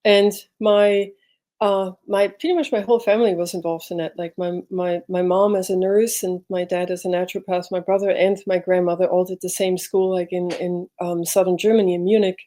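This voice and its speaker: A middle-aged woman from Switzerland, a podcast guest telling her life story in a reflective, halting way as she searches for words. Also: on the low side, flat delivery, dark tone. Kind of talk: personal storytelling in an interview.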